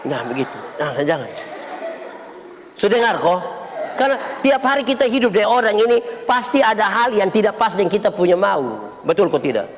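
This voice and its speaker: A male pastor, bantering with his congregation in a lively sermon and acting out little quarrels. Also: high voice, a little fast. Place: church hall with congregation. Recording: reverberant hall, noisy congregation.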